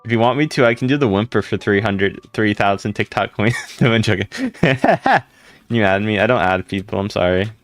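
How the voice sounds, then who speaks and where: Deep gravelly-voiced male streamer. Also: lively intonation, normal speed, no echo, faint music behind. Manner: rambling, greets viewers by name. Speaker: livestreamer. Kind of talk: casual livestream chat with viewers.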